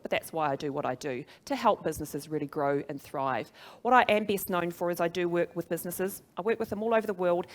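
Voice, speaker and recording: This social media trainer and speaker, a middle-aged woman with a New Zealand accent and a fairly low pitch, addresses a live audience. Her business-trainer style is conversational yet emphatic, and she frequently puts questions to the room.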